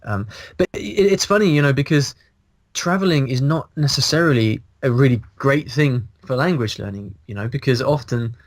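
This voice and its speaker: A man in his thirties, a guest on a video call, talking in a casual, animated way and restarting his sentences as he thinks aloud. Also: medium pitch, normal speed, no echo. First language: English. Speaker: guest, language blogger. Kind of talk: casual interview. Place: small room indoors. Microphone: video call, earphones, mic in front.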